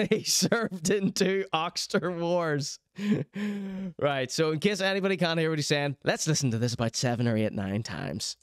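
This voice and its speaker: A man's voice: a little high, animated, measured pace, dry recording, clean studio sound. A middle-aged man giving mocking, amused video commentary in a sarcastic manner. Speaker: reaction video host. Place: small indoor streaming room. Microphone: studio microphone close to mouth.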